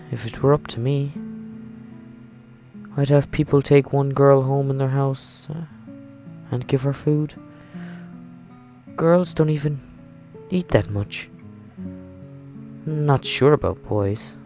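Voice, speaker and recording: An earnest, chatty little girl from a visual novel, acted out by a man, pleading in a lifted, creaky voice. She sounds lonely and eager, with music playing behind her. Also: mid-range voice, slow, pauses often, mellow, pitched above the performer's own voice.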